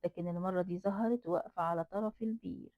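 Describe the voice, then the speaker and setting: A woman's voice: on the low side, steady tone, quick pace, dry recording. A woman with an Egyptian accent narrating a horror folk tale dramatically, repeating phrases for emphasis. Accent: Egyptian Arabic. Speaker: storyteller. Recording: dry tinny phone-like sound.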